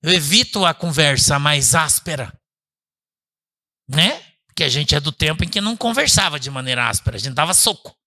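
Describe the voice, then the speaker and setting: A man preaching a conversational sermon as pastor at a church service, often asking the listeners "né?" and calling them brother, swinging between loud emphatic bursts and low quiet asides. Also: animated, a little fast. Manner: chatty, asks the congregation "né?" and calls them "irmão".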